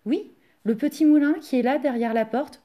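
A woman's voice: high-pitched, moderate pace, highs cut off, natural voice. A woman voicing a poor, humble man who stays content and polite. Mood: obliging.

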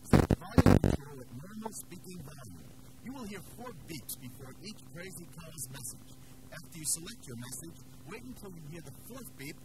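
A man's voice: fairly high pitch, very noisy. A man announcer reading step-by-step instructions, played from an old worn tape. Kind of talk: scripted instructions.

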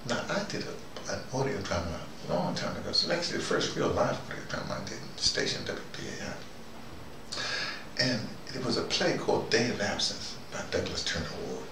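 A man's voice: lowish voice, animated, moderate pace, creaky. An older American man giving a rambling, conversational monologue in a wry, musing, self-questioning manner. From United States. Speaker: host. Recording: echoey room, noisy, distant mic.

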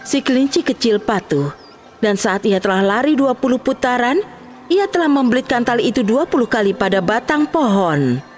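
A woman telling a children's bedtime tale in a clear, lively storytelling voice. Her pitch rises and falls a lot as she narrates. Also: moderate pace, soft background music.

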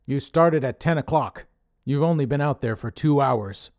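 A man's voice: mid-range voice, moderate pace, a little mellow, no room sound, clean studio sound, voice pushed up, close to an everyday voice. Man putting on a blustering bossy camp leader. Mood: scolding. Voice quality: blustering, scolding. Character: gruff bossy middle-aged male camp leader, preachy.

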